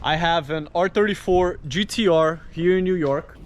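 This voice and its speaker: Young Brazilian-accented guy, slightly high voice, car vlogger, loose and excited, restarts his sentences, recorded in a garage. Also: moderate pace, lo-fi sound, slight background noise. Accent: Brazilian Portuguese. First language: Portuguese. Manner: casual, enthusiastic, repeats and restarts phrases. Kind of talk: casual vlog walkthrough. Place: home garage.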